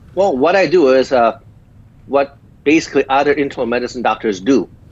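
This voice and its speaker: This man speaks at a medium pitch with a slight Korean accent. His intonation is lively. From South Korea. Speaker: physician. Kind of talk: interview. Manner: halting, many fillers.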